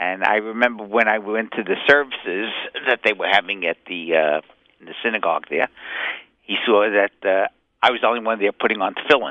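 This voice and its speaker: Here is a man with an ordinary speaking voice and an American accent. His pitch is fairly low with ordinary pitch variation, and his pace is fairly quick. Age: 60s. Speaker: war veteran. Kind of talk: interview.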